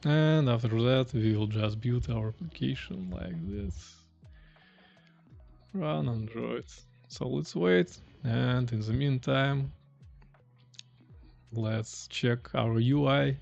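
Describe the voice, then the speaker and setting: Slow, gravelly man. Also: mid-range voice, a little mellow, muffled recording, faint music behind. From Russia. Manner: thinking aloud, chatty, reading chat questions. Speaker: streamer, indie developer. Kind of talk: casual live-coding stream talk. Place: small room at home.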